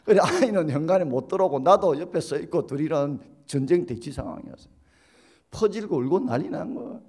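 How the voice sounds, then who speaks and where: Pastor, man in his fifties, expressive sermon storyteller, very lively pitch. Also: a little fast, husky. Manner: animated storytelling, acts out quoted voices with big pitch leaps.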